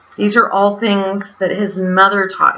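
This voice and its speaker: A woman speaks in an unremarkable speaking voice. Her pitch is medium and her pace moderate. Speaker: Bible teacher, online video host. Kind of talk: Bible study talk to camera. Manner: casual, conversational.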